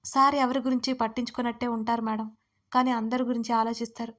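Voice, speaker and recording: A woman's voice: fairly high pitch, little pitch movement, quick pace, fairly bright tone, lightly acted. A woman voicing a polite, deferential male assistant in a narrated audio story.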